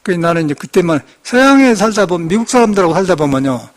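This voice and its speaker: Older male monk, slight Jeolla accent, fairly high voice, folksy storytelling sermon. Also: very animated, fast. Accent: slight Jeolla Korean. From Jeolla region, Korea. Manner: folksy storytelling, chuckles, acts out quoted speech. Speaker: Buddhist monk giving a dharma talk.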